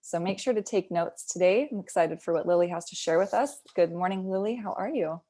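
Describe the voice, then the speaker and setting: A woman hosting, reading upbeat weekly announcements and introducing a guest trainer in a bright, promotional way. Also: on the low side, fairly quick. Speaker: host.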